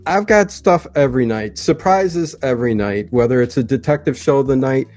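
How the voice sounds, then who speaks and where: A man's voice: medium pitch, lively intonation, moderate pace, darkish tone, faint music behind. A man chatting casually as a guest, sounding modest and appreciative. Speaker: guest, radio show channel owner. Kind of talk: casual chat.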